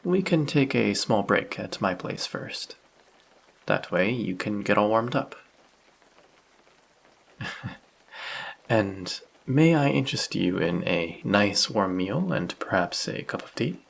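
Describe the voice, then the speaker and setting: A man playing a friendly, polite vampire who speaks gently and reassuringly in an intimate roleplay audio drama, with a husky voice. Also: fairly low pitch, lively intonation, slow pace, pauses often, full character voice, poor audio. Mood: warmly inviting. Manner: polite, soft-spoken, reassuring, gently teasing. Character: friendly, courteous male vampire, gentle and caring stranger. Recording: rain sound effects behind the voice.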